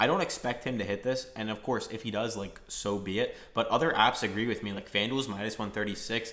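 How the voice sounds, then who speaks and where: A man speaks at a fairly quick pace with a medium pitch. Room echo is audible. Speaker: sports betting picks youtuber. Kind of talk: sports betting tutorial. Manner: fast; animated.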